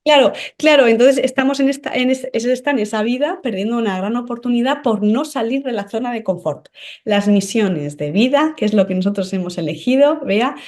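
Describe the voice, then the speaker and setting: A woman's voice: on the high side, a little fast, darkish tone. A woman guest on a podcast, a medium and psychic, explaining in an earnest, teacherly way and often checking in with the host. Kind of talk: conversational podcast interview.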